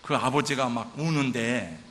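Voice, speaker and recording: An older pastor preaches in a church sanctuary, telling vivid, emotional stories in an expressive, unhurried, mid-range voice with a fairly bright tone. Church hall reverb surrounds him.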